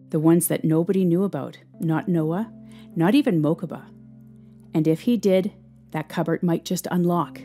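Woman reading dramatic story narration, mellow voice, measured and serious, music underneath. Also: lowish voice. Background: instrumental music.

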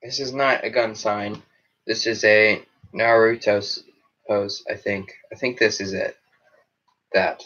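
A man's voice: lowish voice, steady tone, a little slow, pushed and bright, muffled recording. A teenage boy wearing a headset, casually rambling through his live chat in a small room with a green backdrop. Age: teens. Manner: rambling, chatty, reacting to comments. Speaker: livestream host reading chat.

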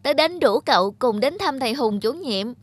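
A woman's voice: sits high, expressive, normal speed, breathy edge, no echo. A woman voicing an earnest, persuasive little schoolgirl in a children's cartoon, with a coaxing manner. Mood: eager, coaxing.

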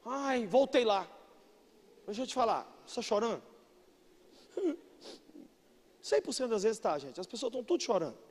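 A Brazilian man with a Brazilian Portuguese accent preaching a sermon as pastor, emphatic, breaking into shouts and then dropping low. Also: very animated, moderate pace, pauses often, husky. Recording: long reverb of a large hall.

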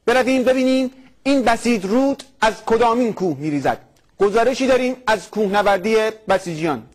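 A man hosting a satirical comedy sketch, talking in a mocking, animated way. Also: high voice. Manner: mocking, fast and animated, laughing. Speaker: satirical radio host.

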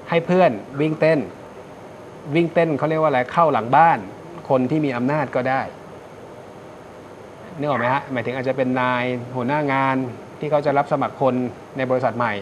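Man, astrologer host, fast talker, reassuring, repeats points, faint background noise. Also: mid-range voice, steady tone. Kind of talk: live call-in fortune reading.

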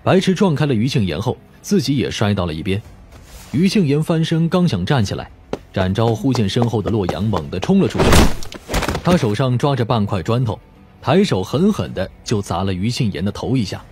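A man's voice: on the low side, very animated, brisk, a little mellow, soft background music. A man reading a dramatic scripted audiobook narration.

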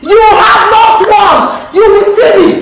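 A woman playing a shrill vengeful woman screaming curses. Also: unhurried, creaky, full character voice. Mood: furious. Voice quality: shrill, shouting curses, mocking laughter. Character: vengeful furious woman cursing a man. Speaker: bitter cursing woman. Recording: very echoey room, loud crowd behind.

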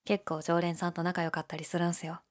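A young woman playing a laid-back, shyly candid gyaru convenience-store clerk in an audio drama, with a breathy, hesitant, mumbled delivery. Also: little pitch movement, fast, lightly acted. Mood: low-key, candid. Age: young adult. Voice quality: low, breathy. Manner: listless, hesitant, mumbled casual polite speech. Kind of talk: male-oriented situation voice drama, casual chat.

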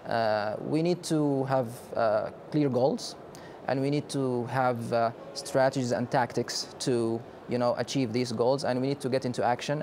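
A man in his thirties from Sudan, a company director answering questions in a conference interview, speaking in a measured way with frequent hesitations. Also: medium pitch, darkish tone, a little hiss or hum. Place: exhibition booth studio set.

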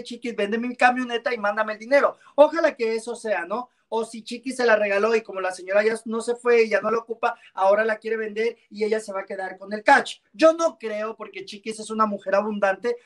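A man hosting a celebrity gossip show from home on a video call, animated and teasing, scattering endearments through his commentary. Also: high voice, distant mic. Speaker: entertainment gossip host.

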